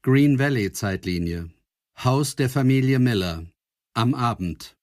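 A man narrating an audio drama recap in a measured, serious, scripted style. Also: mid-range voice, animated, darkish tone, dry recording, clean studio sound. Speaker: narrator, announcer. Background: clear music.

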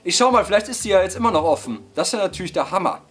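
A hoarse young man doing let's-play commentary, excitable, yelping and laughing as he talks to his viewers. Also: high-pitched, very fast. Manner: excitable, yelps and laughs, keeps addressing viewers. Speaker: gaming YouTuber. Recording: background music under voice. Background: game music.

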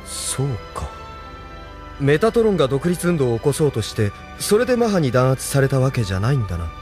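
A man plays a wary young rebel heir in a radio drama, with an ordinary mid-pitched voice. He asks guarded, probing questions, with faint music behind him. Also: sing-song, a little fast, a little mellow, close to an everyday voice.

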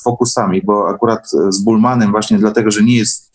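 A man with a lowish voice speaks as a guest in an informal chat. He recalls what he experienced, often halting to search for words. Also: fairly even intonation. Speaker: guest sharing workshop experiences. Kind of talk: casual conversational recollection.

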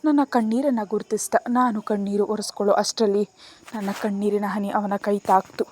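Brief: young female storyteller, soft and emotional, first-person romance read. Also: medium pitch, steady tone, a little fast. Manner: tender, emotional.

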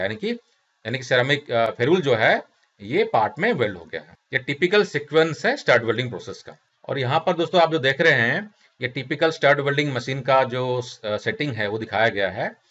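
A man's voice: medium pitch, a bit bright. A middle-aged man with an Indian accent, teaching a technical lesson over slides, explaining step by step and addressing viewers as friends. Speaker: instructor. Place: small studio room indoors. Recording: slightly dull lo-fi sound.

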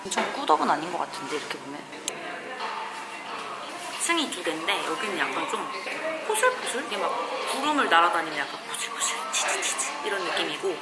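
A young woman giving a casual, expressive food review to camera as she tastes, with a playful manner. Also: lowish voice, fast, roomy sound, very noisy. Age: young adult. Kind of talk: casual review chat to camera while tasting baked goods. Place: small living room at home, also a cafe. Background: background music.

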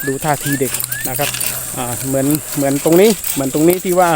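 A man talking casually to viewers in an explanatory vlog, hesitant and repetitive, with many drawn-out filler pauses. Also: a little high, a little mellow. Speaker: soldier vlogger addressing viewers. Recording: noisy outdoor recording with insect ambience.

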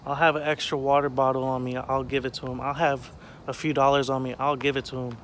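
A man's voice: mid-range voice, level tone, quick pace, a bit bright, slight background noise. A man in his twenties vlogging as he explores an abandoned motel, speaking earnestly and a bit preachily into a phone held at arm's length. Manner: earnest, preachy when giving advice. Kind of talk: casual vlog chat. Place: outdoors at an abandoned motel, covered walkway. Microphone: phone camera held at arm's length.

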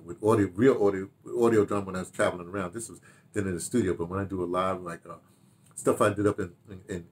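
An American man in his seventies reminiscing casually to camera in an animated, rambling way, with repeated phrases and asides. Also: lowish voice. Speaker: audio dramatist and theater director telling his memoirs. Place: small home study, indoors.

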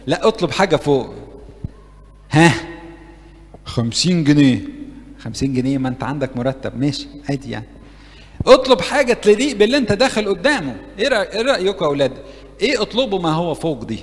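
Lively Egyptian priest in echoing hall. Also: male voice, a little high, quick pace, pauses often. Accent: Egyptian Arabic. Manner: lively, asks the audience questions and acts out prayers. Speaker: priest preaching to university youth. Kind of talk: interactive sermon. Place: church meeting hall.

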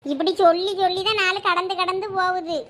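High-voiced woman with Thoothukudi Tamil accent. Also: fairly even intonation, brisk, a little hiss or hum. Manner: bickering, domestic back-and-forth. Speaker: village comedy skit actor. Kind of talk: village comedy skit dialogue.

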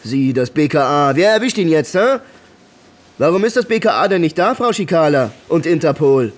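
An actor in an audio drama playing a distrustful, defiant male ex-soldier with a husky, challenging delivery. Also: on the high side, big pitch swings, normal speed. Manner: sceptical, challenging.

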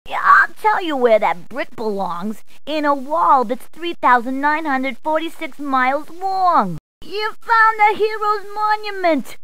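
A woman's voice: sits high, a bit bright, no echo, low-quality recording. A woman voicing a cheery adult policewoman in a game, speaking in upbeat, chatty puns. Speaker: voice actor. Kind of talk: game voice clips.

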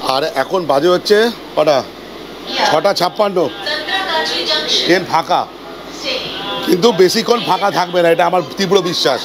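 A man's voice: normal speed, pauses often, crowd noise. A man giving a casual travel vlog, chatting and explaining things to viewers and companions. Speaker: travel vlogger. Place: aboard a local train. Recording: noisy train ambience. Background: train and vehicle rumble.

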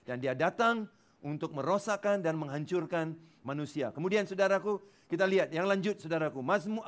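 A male pastor with a Malaysian accent delivers an animated sermon in a church, his voice sitting high for a man. He swings between loud, emphatic bursts and hushed, low asides, slipping English words into his Malay. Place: church hall.

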